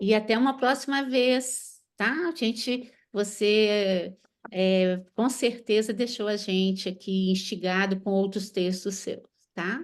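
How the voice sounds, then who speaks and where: In a Minas Gerais accent, a woman speaks very slowly at a medium pitch with ordinary pitch variation against a quiet background. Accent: Minas Gerais (mineiro) Brazilian Portuguese. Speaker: psychoanalyst, event host. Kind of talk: panel discussion closing remarks. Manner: hesitant, frequent fillers.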